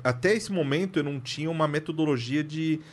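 A man with a Brazilian Portuguese accent tells a story on a podcast, speaking very quickly in a slightly raised voice. He is animated, laughs often and acts out what people said. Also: fairly high pitch. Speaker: podcast guest, press reporter. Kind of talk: casual storytelling chat.

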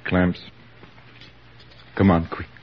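An actor playing a brisk, commanding wartime army surgeon in a 1940s radio drama. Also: male voice, sits low, little pitch movement, slight background noise. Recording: dull old radio recording.

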